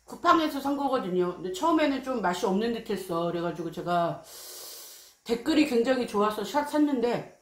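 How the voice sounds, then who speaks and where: A woman's voice: a little high, animated, fairly quick, reverberant. A woman streaming a mukbang, chatting casually with her viewers while her mouth is full of food. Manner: soft, chatty, talks between bites. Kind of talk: casual live-stream chat while eating.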